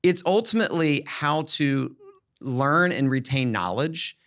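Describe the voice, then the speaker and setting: A man's voice: fairly high pitch, expressive, unhurried, a bit bright. A middle-aged American man hosting a podcast in a conversational style, explaining things in an upbeat, emphatic way. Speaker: podcast host, former school principal. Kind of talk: conversational educational podcast talk.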